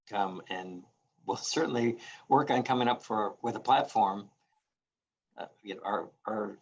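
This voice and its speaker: A man's voice: on the low side, breathy edge, highs cut off. A man chairing a public meeting by video call, agreeable and supportive, with hesitant fillers. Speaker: library official leading the meeting.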